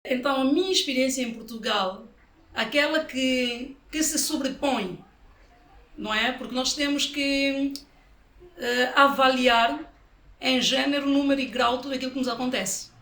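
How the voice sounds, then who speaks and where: A high-voiced woman from Africa weighs each phrase carefully. Her voice rings in a reverberant room. Faint ambience sits under it. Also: a bit bright. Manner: deliberate, searching for words. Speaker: interviewee. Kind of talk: thoughtful documentary interview.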